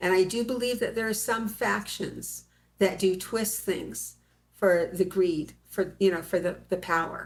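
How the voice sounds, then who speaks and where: At a fairly slow pace, a normal speaking voice moves with fairly even intonation. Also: woman. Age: 60s. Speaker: interviewee describing alien encounters. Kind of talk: interview.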